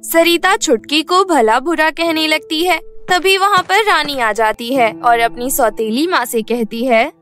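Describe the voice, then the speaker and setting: A woman narrating a cartoon bedtime story in an even storytelling manner. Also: sits high, unhurried, few pauses, faint music behind.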